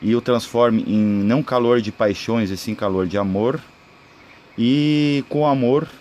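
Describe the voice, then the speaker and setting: A man's voice: mid-range voice, unhurried, darkish tone. A man with a Brazilian accent giving informal esoteric teaching in a rambling, explanatory way, often adding checking tags. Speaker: spiritual video creator.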